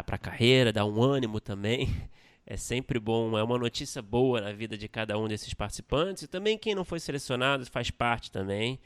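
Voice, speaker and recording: A man's voice: lowish voice, a bit bright, clear, resonant tone. A man co-hosting a podcast, casual and earnest in tone. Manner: teasing, then earnest and congratulatory. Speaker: podcast co-host.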